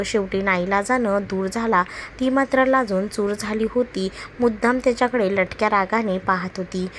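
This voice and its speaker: Woman storyteller, romance read-aloud, mid-pitched voice, faint hiss behind. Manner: narrates evenly, speaks both lovers' lines herself.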